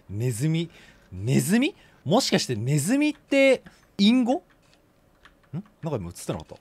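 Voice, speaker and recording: A young man commentating live on a horror game in rough casual speech, blurting exclamations and sarcastic quips. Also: fairly high pitch, wildly swooping pitch, unhurried, a little mellow. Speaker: game streamer. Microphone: desk streaming mic, indoors.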